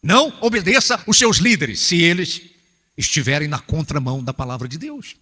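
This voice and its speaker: A Brazilian man preaching a humorous, animated sermon to church workers, acting out little scenes as he goes. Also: fairly high pitch, normal speed, big-room sound. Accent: Brazilian Portuguese.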